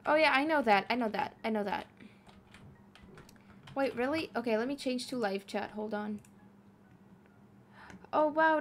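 A woman's voice: sits high, slight background noise. A woman streaming live as a VTuber, chatting casually with her chat while playing a game, giggling often and swearing freely.

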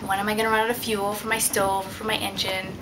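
A woman's voice: medium pitch, little pitch movement, quick pace, very noisy. A young adult woman talking casually and reflectively as an interviewee about her own life, seated indoors. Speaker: liveaboard sailor being interviewed.

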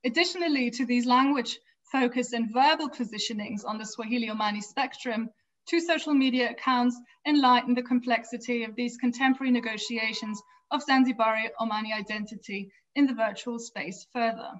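A woman giving an academic lecture from a home office over a video call, reading prepared text in a measured way with small restarts. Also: fairly high pitch. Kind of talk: academic lecture read from slides. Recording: slightly dull lo-fi video call audio.

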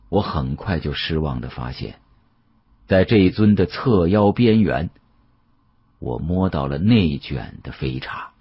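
A man narrating an audiobook as a dramatic storyteller, with an expressive, conversational delivery. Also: a bass voice, husky, lo-fi sound.

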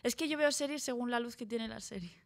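A woman's voice: fairly high pitch, fast talker, creaky. A woman from chatting eagerly about TV series as a guest, rambling with fillers and restarts. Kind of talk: casual chat about TV series.

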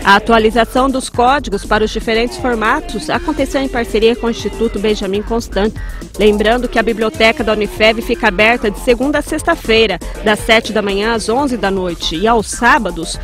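A young woman presenting a read news bulletin in a TV studio on a lapel mic. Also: fairly high pitch. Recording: faint music bed.

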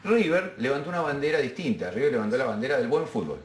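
A man being interviewed at home as a football fan, talking in a measured, reflective way. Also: mid-range voice, animated, roomy sound. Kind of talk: casual interview.

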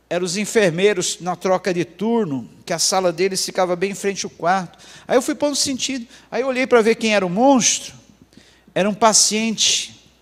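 A middle-aged male pastor telling a dramatic personal testimony in a sermon, dropping into hushed low passages. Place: church hall. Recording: long hall reverb.

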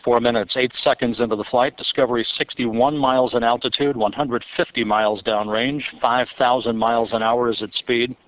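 A man giving live launch commentary from mission control, reading flight figures in a steady, measured way. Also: medium pitch. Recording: dull broadcast audio.

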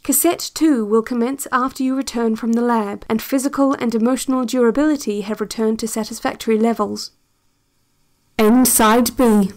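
A woman playing a calm, controlling narrator of an institute's relaxation cassette, measured and hypnotic in an audio drama. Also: fairly high pitch, close to an everyday voice. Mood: formal, procedural. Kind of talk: scripted guided-meditation narration, audio drama.

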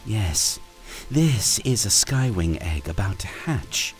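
A cruel sand dragon queen who hisses and sneers at her captives, as a deep-voiced man reads her. She speaks slowly and coldly, pitched up from his low register. Soft music plays faintly behind the storybook reading. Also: sing-song. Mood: scheming. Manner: hissing, scornful and cold.

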